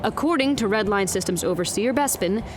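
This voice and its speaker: A woman's voice: mid-range voice, expressive, brisk, natural voice. Woman playing a wry news reporter over music. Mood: brisk, pointed. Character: wry, exasperated female field news reporter. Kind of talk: scripted news report parody in audio drama.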